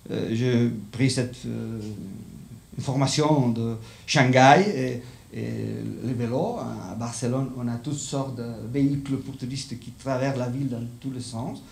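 This Spanish-accented conference speaker, middle-aged and not a native French speaker, hesitates and hunts for words throughout his live lecture. His mid-range voice is unhurried, fairly even in intonation, a little mellow, with vocal fry. He speaks into a handheld microphone to a seated audience in an echoey indoor room with slight background noise.

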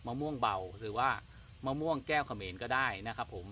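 A man in his thirties giving a polite, steady gardening demonstration outdoors at a plant nursery. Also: medium pitch, fairly quick, slight background noise. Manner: polite, steady instructional delivery. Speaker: farm channel host.

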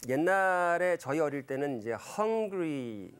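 A man's voice: slow pace, clear, resonant tone. A man in his fifties giving a church lecture, retelling Bible scenes and family stories with many fillers and self-corrections, acting out the quoted lines. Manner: animated, acts out quoted lines with big pitch jumps. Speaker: Christian lecturer.

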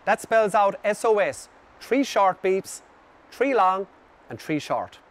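A man's voice: sits high, animated, slow, background noise. A man, presenting bushcraft tips for children outdoors in a forest, explaining each step in a friendly, demonstrative way. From Ireland.

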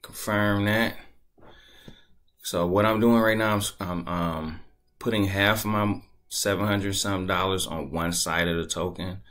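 A man with a very deep, low voice walks through a screen-recorded tutorial at an easy, unhurried pace. He sounds laid-back and conversational, thinking aloud as he clicks through each step at his desk. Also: fairly even intonation, fairly bright tone. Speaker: crypto tutorial creator.

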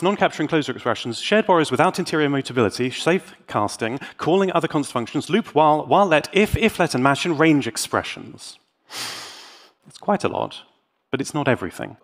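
A man giving a technical conference talk in a playful, enthusiastic manner, with rhetorical asides. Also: medium pitch. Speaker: conference speaker and tech YouTuber. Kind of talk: live technical presentation.

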